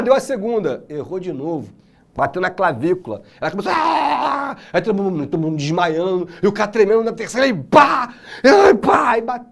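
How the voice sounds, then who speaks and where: Slangy Brazilian male teacher, high voice. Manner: slangy, animated storytelling. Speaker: history teacher. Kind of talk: casual exam-prep lecture.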